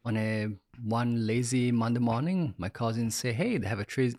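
A man in his forties with an Italian accent, a chef and cooking teacher telling his life story in a relaxed, reflective way with many fillers. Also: medium pitch, moderate pace. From Somalia, raised in Italy. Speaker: chef and cooking instructor, guest. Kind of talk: casual interview storytelling.

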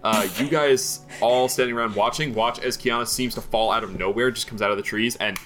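A man's voice: medium pitch, fairly even intonation, fairly quick, over music. A man running a tabletop game as game master, narrating loosely with many fillers.

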